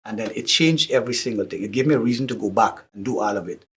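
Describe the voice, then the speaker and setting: A man's voice: fairly low pitch, racing, fairly bright tone. A man from Guyana with a Guyanese accent, a musician talking earnestly and emphatically as a guest on a talk show. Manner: earnest, emphatic, speaks in short bursts.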